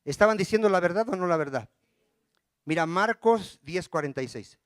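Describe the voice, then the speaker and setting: A male pastor with a high voice preaches a sermon, recorded dry and close. He reads scripture aloud, breaks off mid-verse and keeps firing questions at the congregation so they fill in the words. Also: lively intonation, no room sound. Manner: quizzes the congregation with rapid questions.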